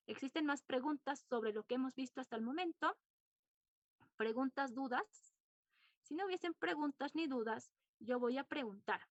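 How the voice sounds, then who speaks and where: A woman's voice: sits high, dry recording, muffled recording. A woman teacher giving a lecture to her class, explaining points patiently, repeating them and putting questions to her students.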